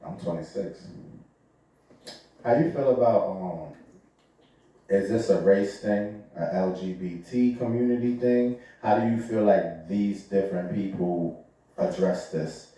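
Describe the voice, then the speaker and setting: Man, 40s, podcast co-host, deep dark tone, joking and probing, very echoey room. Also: a little slow. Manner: joking, opinionated, asks probing questions. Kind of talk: casual chat. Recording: very echoey room, far from the mic.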